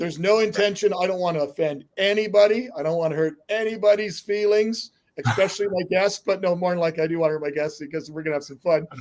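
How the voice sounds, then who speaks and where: Loud and high-pitched, a man races along at a very fast pace with hardly any pauses and ordinary pitch variation. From Canada. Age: 50s. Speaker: aquarium YouTuber. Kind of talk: casual chat.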